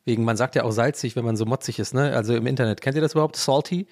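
A man's voice: mid-range voice, racing, darkish tone. A man hosting a solo podcast alone at a home microphone, joking at his own expense, losing his thread and restarting, with a German accent. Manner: jokey, self-mocking, loses his thread and restarts. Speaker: podcast host. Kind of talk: rambling solo podcast monologue.

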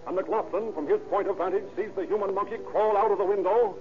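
A man's voice: sits high, fast talker. A man narrating an old radio crime drama in a scripted, dramatic style. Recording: dull, muffled old radio recording.

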